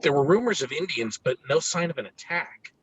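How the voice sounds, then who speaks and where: A man's voice: a little high, expressive, a little fast, slightly rough, low-quality recording. A man reading an earnest, awkward, bookish new-kid boy in a screenplay table read, with hesitant, informative delivery. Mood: eager, awkward.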